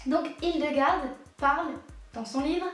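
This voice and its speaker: A woman's voice: high voice, measured pace, a bit bright, faint music behind. A young woman explaining a history topic in a casual, playful way, with joking asides. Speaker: YouTube creator. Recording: very echoey room.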